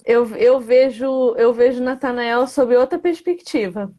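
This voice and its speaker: A woman's voice: a little high, unhurried, dark tone. A woman hosting a live Bible discussion, thoughtfully retelling a scene with quoted dialogue. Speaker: host.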